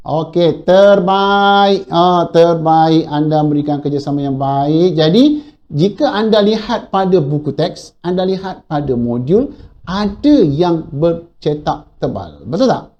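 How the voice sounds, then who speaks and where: A man's voice: a little high, measured pace, darkish tone, lo-fi sound. A man with a Malaysian accent teaching a primary school class online, encouraging the pupils and often repeating his praise.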